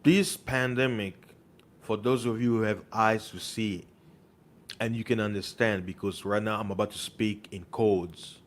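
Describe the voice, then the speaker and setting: A man with a fairly low voice preaches in an unhurried, deliberate way. He presses his points with rhetorical questions and drives them home by repeating key words. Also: fairly even intonation. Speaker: online preacher. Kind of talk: impassioned monologue.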